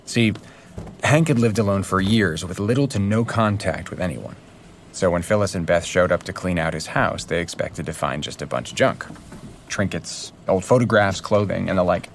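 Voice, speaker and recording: An actor playing an earnest podcast journalist, narrating a true crime documentary in a measured, serious way. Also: male voice, low-pitched, slight background noise. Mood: measured, explanatory.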